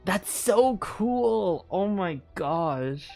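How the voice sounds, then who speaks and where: A streamer giving casual, excitable commentary while playing a story game and reading its choices aloud. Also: mid-range voice, very slow, creaky, soft background music. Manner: excitable, chatty, reads game text aloud.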